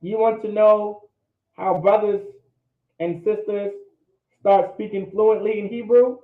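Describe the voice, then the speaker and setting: Slow and high-pitched, with fairly even intonation, a man delivers a classroom lecture for a language class. Emphatic in pressing his points, he often checks understanding with repeated "all right?" The recording sounds phone-like in an echoey room.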